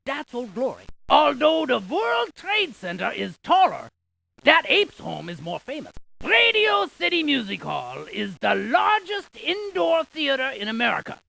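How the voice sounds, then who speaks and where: A woman playing an excitable, quirky scientist in an educational game, reciting landmark trivia with theatrical emphasis and playful quips. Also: high-pitched, measured pace, creaky, full character voice, low-quality recording. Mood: cheerful, informative. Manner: theatrical, quippy, exaggerated emphasis.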